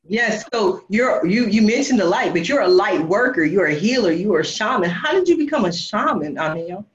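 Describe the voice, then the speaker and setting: A woman from the United States hosting an interview, speaking slowly in a measured, affirming way. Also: mid-range voice, animated, dull audio. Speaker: interview host.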